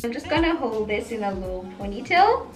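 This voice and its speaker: A woman's voice: a little high, sing-song, normal speed. A young woman chatting through a hair tutorial vlog, playful and sassy with giggly asides. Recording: echoey room with faint music.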